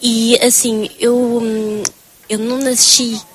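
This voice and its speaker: A young woman student from Porto, answering hesitantly with pauses and fillers. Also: on the high side, level tone, rough recording. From Portugal, Porto. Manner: hesitant, soft-spoken, with fillers. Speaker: student interviewee.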